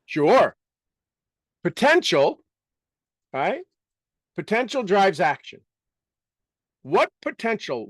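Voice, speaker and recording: A man with a slightly raised pitch leads a motivational workshop in front of a live audience. He talks emphatically and repeats his key words for effect. The sound is dry, with little room echo. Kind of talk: live seminar teaching to an audience.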